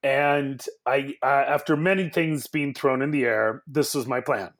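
A man's voice: medium pitch, a little slow, fairly bright tone. A man telling a personal story casually as a podcast guest.

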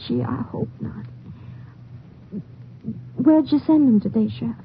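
A woman's voice: a little high, wildly swooping pitch, measured pace. An actress playing an anxious young small-town wife and mother in a 1950s western radio drama, hesitant, folksy and apologetic. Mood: worried, sheepish. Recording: tinny, noisy vintage radio broadcast.

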